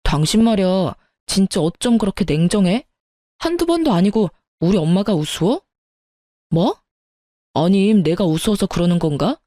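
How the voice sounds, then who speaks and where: Woman doing a sulky husband, whiny and blaming, warm dark voice, dry close mic. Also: medium pitch, expressive, moderate pace, no room sound, close to an everyday voice. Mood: reproachful. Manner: reproachful, whiny. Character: sulky, defensive young husband.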